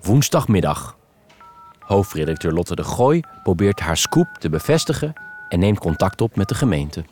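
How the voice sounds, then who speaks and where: A deep, deadpan radio-play narrator. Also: male voice, moderate pace, a little hiss or hum. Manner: deadpan, announcing.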